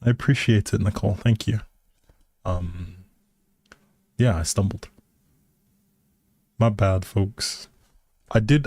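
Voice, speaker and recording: A man's voice: low voice, gravelly, darkish tone, no echo, studio quality. A man giving casual live game commentary as a streamer, musing aloud in a hesitant way.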